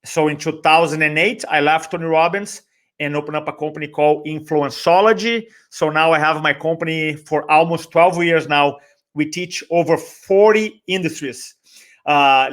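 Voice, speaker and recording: Brazilian-accented male speaker trainer, middle-aged, fairly high voice, persuasive conversational delivery with emphatic repeats. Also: fairly bright tone. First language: Portuguese. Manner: emphatic, repeats phrases, rhetorical questions. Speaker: guest, speaker trainer and business owner. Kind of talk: conversational motivational talk.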